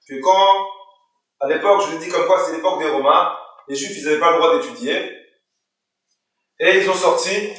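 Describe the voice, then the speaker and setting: A man's voice that sits high and sounds a bit bright belongs to a rabbi teaching Torah to listeners in a hall or study room. He narrates a story, voicing its people and questioning the room, while the recording is very echoey with the mic far away.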